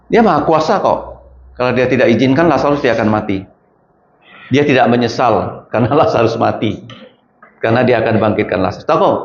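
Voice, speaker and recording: A man gives an interactive sermon at an everyday pitch, questioning his listeners and calling on them by name. His colloquial delivery swings between loud emphasis and quiet asides. The recording is dull and lo-fi, with a roomy echo. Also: a little hiss or hum. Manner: colloquial, rising and falling emphasis. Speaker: preacher teaching a class. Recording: echoey room, dull lo-fi sound.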